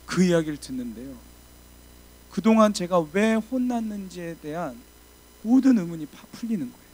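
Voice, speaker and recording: A man, a junior preacher, giving a storytelling sermon in a church, acting out the voices he quotes and swinging from hushed to loud. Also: high voice, expressive, moderate pace, slightly rough, rough recording. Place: church sanctuary.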